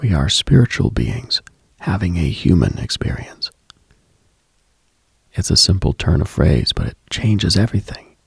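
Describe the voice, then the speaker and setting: A man with a very low voice full of heavy vocal fry delivers an intimate late-night radio monologue. His reflective, hushed delivery is extremely husky and breathy, as a host musing on spiritual matters. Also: very animated, unhurried, pauses often, no room sound, studio quality.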